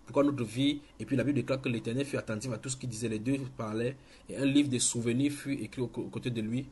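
Male preacher, emphatic and halting, light background noise. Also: mid-range voice, fairly even intonation, a little mellow. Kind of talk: church teaching.

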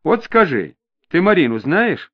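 A firm, level-headed inspector presses a suspect for answers, as a male narrator puts him on. He talks steadily, with a fairly high and lively voice. The audiobook sound is dull and lo-fi. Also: unhurried, slightly rough, full character voice. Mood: steady, probing. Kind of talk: audiobook character voice.

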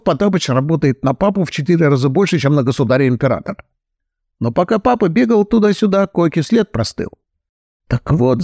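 A man's voice: fairly high pitch, darkish tone, dry recording, studio quality, voice pushed up. A man voicing a plump, tearful young man who wails and sobs out self-pitying complaints. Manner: wailing, sobbing complaints.

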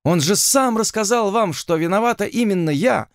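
A man's voice: sits high, expressive, normal speed, dry recording, clean studio sound, voice pushed up. A man voicing a young plantation owner's daughter, speaking in a theatrical, pleading and melodramatic way.

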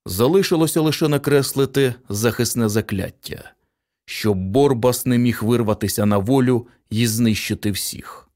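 A man reads a story aloud at an even pace. His voice sits in a middle register and stays steady. The delivery is clear and calm. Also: medium pitch, moderate pace. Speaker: narrator. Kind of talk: audiobook reading.

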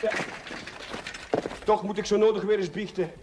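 An actor playing a cheerful young Catholic curate in a television drama, playful and confiding. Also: male voice, high-pitched, little pitch movement, moderate pace, mellow, close to an everyday voice. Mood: amused, confiding. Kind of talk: 1970s television drama acting.

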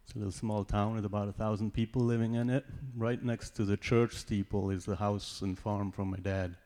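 Swiss man, Swiss German accent, lowish voice, relaxed joking church testimony. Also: a little fast. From Switzerland. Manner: informal, joking asides. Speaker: church guest giving testimony. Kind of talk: personal testimony talk.

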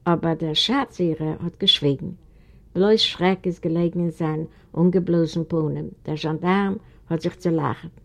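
A woman from Eastern Europe narrates a storybook in a low, gravelly voice. Her reading is steady and deliberate. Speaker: audiobook reader.

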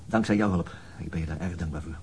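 An actor playing a sober, determined police detective in a radio crime drama, terse and matter-of-fact, with a husky voice. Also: male voice, low voice, fast, dark tone. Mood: restrained, grateful.

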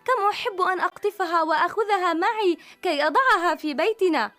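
An eager little girl from a storybook, played by a woman, who speaks in a high, bright voice with a pleading tone. Faint music plays softly behind her. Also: a little fast. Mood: delighted.

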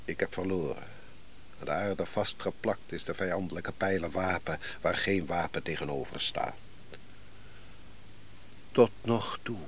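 Defeated commander, very slow delivery, weary, philosophical, declamatory, radio play, slight background noise. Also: male voice, low voice. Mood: broken, bitter. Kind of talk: Dutch radio play acting. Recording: noisy old radio play recording.

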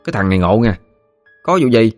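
A man's voice: on the low side, expressive, a little fast, faint music behind, pitched above the performer's own voice, lightly acted. A man voicing a blunt, easily irritated village boy in an audio ghost story. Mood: grumpy. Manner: grumpy, shouting.

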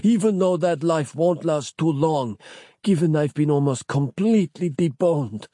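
A man voicing the dying severed head of a gruff male cop, croaking and gasping for breath as he speaks. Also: fairly high pitch, measured pace, warm tone, no echo, clean studio sound, pitched above the performer's own voice.

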